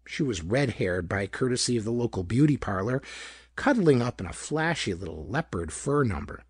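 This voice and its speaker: A man narrating a pulp detective story in a gravelly, husky voice, with dramatic storytelling delivery. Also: mid-range voice, lively intonation, normal speed, no room sound, clean studio sound. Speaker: audiobook narrator. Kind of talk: scripted narration of hardboiled pulp detective fiction.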